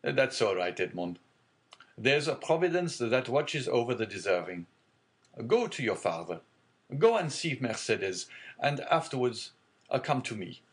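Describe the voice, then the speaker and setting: A man reading aloud and voicing a genial, fatherly older shipowner in a hearty, booming manner. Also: very animated, measured pace. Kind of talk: audiobook character reading.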